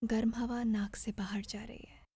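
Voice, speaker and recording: Slow, breathy woman guiding meditation. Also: fairly high pitch, little pitch movement, no room sound. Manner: gentle, soothing, measured instruction with pauses. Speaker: meditation guide. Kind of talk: guided meditation narration.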